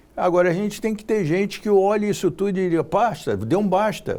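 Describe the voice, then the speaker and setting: Recorded very cleanly against a silent background, a man speaks at a moderate pace with a high pitch and a dark, mellow tone. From Brazil. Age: 60s. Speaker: shipping industry executive. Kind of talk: interview.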